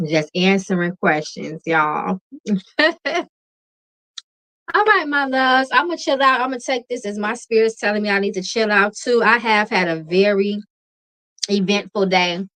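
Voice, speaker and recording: A relaxed woman hosts a late-night livestream, chatting easily with her viewers and calling them y'all. Her voice is bright and calming, and she laughs often between remarks. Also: medium pitch, unhurried. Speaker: tarot reader and livestream host. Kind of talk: casual livestream chat with viewers.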